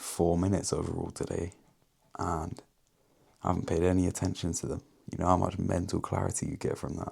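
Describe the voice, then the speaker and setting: A man with an English accent talks at a fairly quick pace, broken by long, frequent pauses. His very deep, low pitch stays monotone and flat. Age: young. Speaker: day trading vlogger. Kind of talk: casual monologue vlog. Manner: casual.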